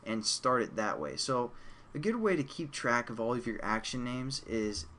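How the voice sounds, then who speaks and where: A man hosting a casual programming screencast, chatty and relaxed, who says he is losing his voice. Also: medium pitch, normal speed, slight background noise. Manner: relaxed, chatty, addresses viewers as you guys. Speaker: programming tutorial host.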